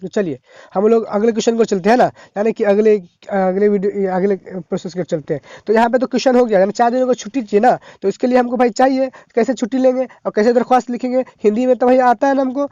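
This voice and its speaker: Male tutor, high mellow voice, chatty and repetitive, lo-fi recording. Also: fairly even intonation, dry recording. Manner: chatty, repeats "thik hai" and "hai na"; talks fast, stumbles over words. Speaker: teacher. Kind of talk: casual tutorial. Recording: dull lo-fi sound.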